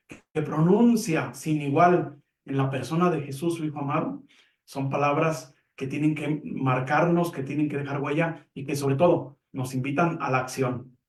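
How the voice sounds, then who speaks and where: A man giving a calm, measured religious lesson, explaining with simple examples. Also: on the high side. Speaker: Catholic teacher on a program. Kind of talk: reflective religious teaching. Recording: echoey room, mic at a distance.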